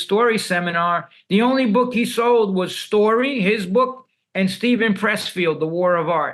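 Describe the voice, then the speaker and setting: A man with a New York accent, moderate pace and ordinary pitch variation. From New York City. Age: 60s. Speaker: punk musician and author. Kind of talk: podcast interview. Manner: animated.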